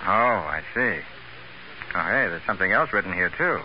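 An actor playing a shrewd, sceptical private detective in a 1940s radio drama, with a brisk, questioning manner. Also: male voice, low-pitched, lively intonation. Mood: brisk, skeptical. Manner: brisk, skeptical, clipped questioning. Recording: muffled, hissy old radio recording.

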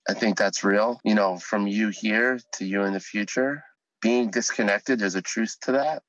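A man's voice: on the low side, normal speed, fairly bright tone, no echo, highs cut off. A middle-aged man, an educator, speaking earnestly as a podcast guest about his mission. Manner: earnest, driven, speech-like. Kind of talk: casual podcast interview.

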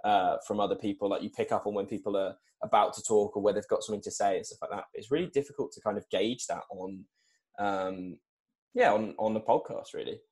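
A man's voice: fairly low pitch, fairly quick, a little mellow. A young man co-hosting a podcast over a video call, easygoing and hesitant, with many fillers. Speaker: podcast co-host.

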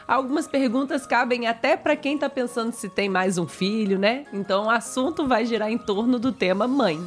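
A Brazilian woman co-hosting a live podcast chat, relaxed and agreeable, often answering in short replies. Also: on the high side, normal speed, soft background music. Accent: Brazilian Portuguese. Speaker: podcast co-host.

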